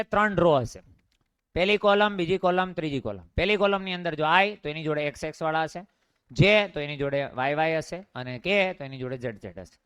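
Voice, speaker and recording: A man's voice: fairly high pitch, fairly bright tone, smooth, no room sound. Gujarati man drilling a physics class. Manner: drilling, repeats each question and answers it himself. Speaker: physics teacher. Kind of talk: classroom lecture with call-and-response questions.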